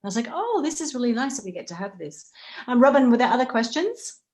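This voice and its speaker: A woman's voice: a little high, sing-song, fast talker, darkish tone. A woman moderating a panel conversationally, with a chatty and encouraging manner.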